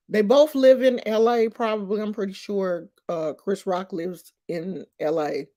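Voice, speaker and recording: Woman, 50s, slow unhurried delivery, emphatic, streetwise, casual vlog commentary. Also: mid-range voice, warm tone. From Oakland, California. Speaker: vlogger.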